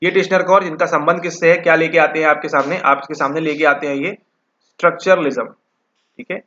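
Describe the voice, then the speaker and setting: A man with a fairly high, bright and forceful voice lectures in an exam-prep lesson. He asks questions and answers them himself, and keeps ending points with a quick check-in. The audio is dull and lo-fi. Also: fairly even intonation. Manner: rhetorical questions answered himself, repeats "ठीक है". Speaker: psychology exam tutor. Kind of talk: online lecture.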